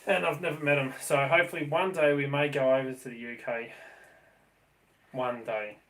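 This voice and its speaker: A man's voice: medium pitch, fairly even intonation, normal speed, a bit bright, low-quality recording. A man in his thirties with an Australian accent, chatting casually as host of a live stream from a small bedroom. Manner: chatty, laid-back, swears casually. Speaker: livestream host.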